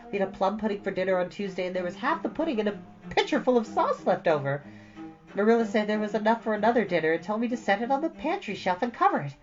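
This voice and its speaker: A woman's voice: medium pitch, voice pushed up, close to an everyday voice. A woman puts on a chatty young girl with a head full of fancies, spilling dramatic tales in long breathless runs. The voice rises and falls a lot. It is a slightly dull storybook recording with faint music in the background. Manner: breathless, run-on storytelling, theatrical.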